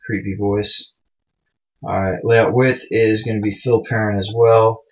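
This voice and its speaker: A man with a lowish voice and fairly even intonation talks at a moderate pace in a casual programming tutorial. He's chatty and self-mocking with plenty of fillers, recorded on a dull lo-fi mic.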